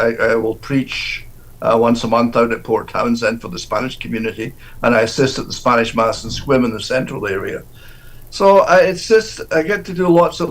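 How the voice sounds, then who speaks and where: A man, a deacon, answering interview questions in a halting way, often restarting and repeating words. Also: mid-range voice, low-quality recording.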